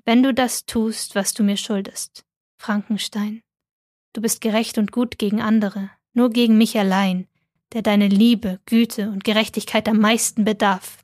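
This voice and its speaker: A woman's voice: medium pitch, no room sound, lightly acted. A woman reading the part of a wretched, bitter giant male creature who pleads earnestly with his maker. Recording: dry close studio sound.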